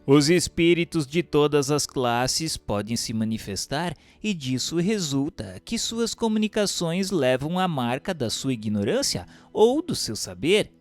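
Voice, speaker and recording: Slow, expressive Brazilian male narrator. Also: mid-range voice. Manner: formal, measured, didactic delivery. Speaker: narrator reading a book aloud. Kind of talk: scripted audiobook narration of a doctrinal text.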